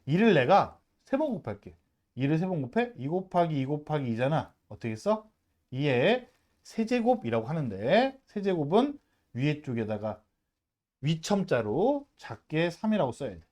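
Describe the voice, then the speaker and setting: A math teacher in the middle of a casual lesson for middle schoolers, the pitch swinging up and down in lively swoops. The talk is chatty and emphatic, full of quick rhetorical check-ins, and keeps pushing the students to say each term aloud.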